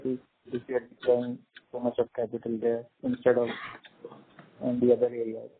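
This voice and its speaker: A man with a husky voice, asking measured investor questions on a conference call. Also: medium pitch, monotone. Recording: muffled narrow phone line.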